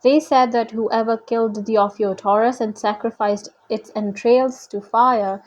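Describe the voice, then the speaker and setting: A woman's voice: fairly high pitch, fairly even intonation, measured pace, a little mellow, natural voice, poor audio. A woman voicing a grave, formal young huntress who recounts ancient lore in a storybook. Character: solemn archaic young huntress telling ancient prophecy.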